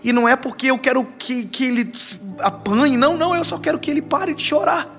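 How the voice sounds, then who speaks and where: A young pastor delivers a sermon in a high, lifted voice. He shifts between joking family anecdotes and slow, weighty pauses. Soft music sits faintly behind him. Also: vocal fry. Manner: animated, storytelling with playful asides and dramatic slowdowns.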